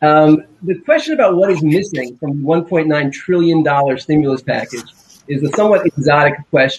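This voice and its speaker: In an unremarkable speaking voice, a man with an American accent speaks at a fairly high pitch and moderate pace, with ordinary pitch variation and light background noise. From United States. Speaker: think tank president. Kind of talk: panel discussion. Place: home room. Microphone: video call.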